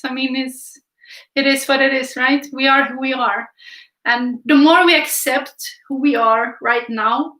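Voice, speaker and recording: A young Finnish woman with a Finland Swedish accent hosts an art livestream, chatting casually as she paints and reads viewer comments aloud. Her voice sits high, bright and forceful. A camera filming from above picks her up in an echoey room, and the recording quality is low.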